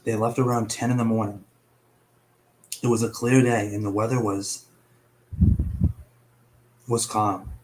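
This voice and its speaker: With little pitch movement, a young man with a lowish voice narrates his casual online mystery show at a measured pace, pausing often against background noise. He's chatty and somewhat profane, trips over names, coughs, and has partly lost his voice.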